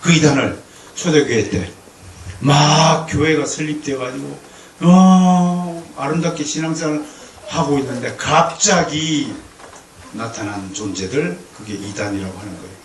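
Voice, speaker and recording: A male pastor preaching a lively lecture-sermon to a congregation, with humor and call-and-response. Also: a little high, unhurried. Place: church sanctuary. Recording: echoey hall, distant mic, faint noise.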